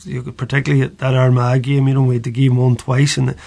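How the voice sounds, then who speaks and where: A man's voice: medium pitch, completely flat delivery, fast talker, vocal fry, mellow. A man with a Donegal accent hosting a sports radio show in an informal, conversational interviewing style.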